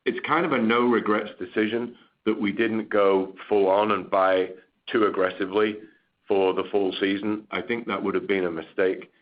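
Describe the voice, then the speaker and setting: A man speaking as a chief executive on an earnings call, giving candid, measured, unscripted business commentary. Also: on the low side, fairly even intonation. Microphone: conference call line. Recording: dull, lo-fi conference call audio.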